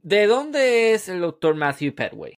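Puerto Rican host, dry close sound. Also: male voice, high-pitched, sing-song, clean tone, no echo. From Puerto Rico. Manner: brief encouraging interjections, measured questions. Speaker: podcast host. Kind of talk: interview host.

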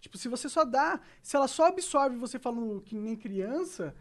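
A woman in casual chat, giving her opinions quickly in slang. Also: a little high, animated.

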